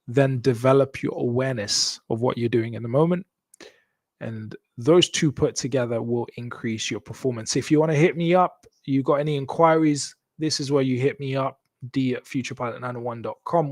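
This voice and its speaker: A man's voice: medium pitch, dry recording. Upbeat Kenyan-accented man hosting a live show. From Congo, raised in Kenya. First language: not English. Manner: upbeat, joking, repeats phrases. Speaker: host. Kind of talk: live show sign-off to viewers.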